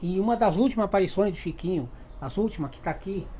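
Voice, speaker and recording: A woman's voice: medium pitch, lively intonation, quick pace, mellow, slightly rough. Woman, fervent. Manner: fervent, emphatic. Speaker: interviewee. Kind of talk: documentary interview.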